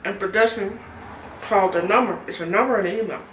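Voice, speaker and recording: A woman's voice: medium pitch, fast talker, a bit bright, roomy sound, slight background noise. A woman, chatting casually on her eating vlog and telling a story with frequent laughs. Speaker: mukbang vlogger. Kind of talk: casual chat while eating.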